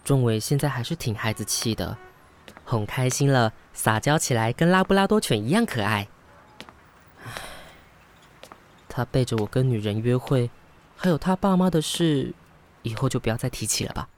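A man's voice: mid-range voice, moderate pace, pauses often, slight background noise, close to an everyday voice. A man with a Taiwanese Mandarin accent acting a jilted, sarcastic, hot-tempered gay lover in a modern radio drama. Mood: fond, pensive. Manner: expressive, swearing, muttering to himself.

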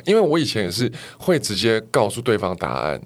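A man with a low voice and a lively, wide-ranging inflection co-hosts a podcast. He talks in a relaxed way and works through ideas with everyday examples. His tone stays thoughtful and conversational. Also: fairly quick. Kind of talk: casual chat.

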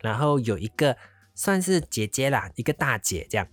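A man's voice: medium pitch, very animated, normal speed, no echo. A man casually telling a travel story, rambling along and slipping into English phrases. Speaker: vlogger.

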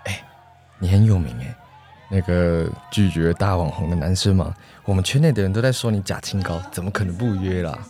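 A man's voice: low-pitched, fairly quick, warm tone, faint music behind. A man playing a confident, flirtatious gay man in a radio drama, teasing and coaxing suggestively. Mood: teasing, flirty. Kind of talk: improvised-feel romantic radio drama acting.

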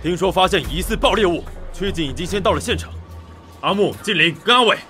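An actor playing a firm, world-weary but caring police squad leader in a Taiwanese-accented audio drama. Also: male voice, sits high, expressive, fast talker, bright, forceful tone, faint music behind. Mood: urgent, commanding. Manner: authoritative, instructing subordinates. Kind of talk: Mandarin audio drama acting.

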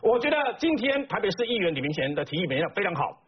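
High-pitched, fiery Taiwanese-accented male commentator. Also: big pitch swings, fast, breathy edge. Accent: Taiwanese Mandarin. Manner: indignant, rhetorical questions, emphatic repetition. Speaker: political commentator. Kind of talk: talk show commentary. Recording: slightly dull broadcast audio.

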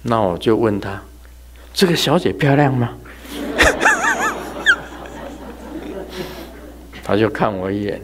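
A man's voice: medium pitch, huge pitch swings, drawn-out words, long pauses, noisy background. A man giving a religious talk in a chatty, storytelling way, laughing and imitating sounds as he goes. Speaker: religious teacher. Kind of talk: sermon told as humorous ghost anecdotes.

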